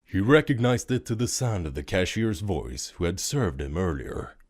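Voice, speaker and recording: A man narrating a scripted audio drama story in a dramatic, expressive storytelling manner. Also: low-pitched, moderate pace. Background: music.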